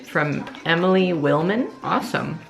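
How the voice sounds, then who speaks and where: A woman's voice: low voice, lively intonation, measured pace, gravelly. A young woman chatting casually to her vlog audience in an informal, giggly storytelling way. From Georgia, United States. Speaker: vlogger.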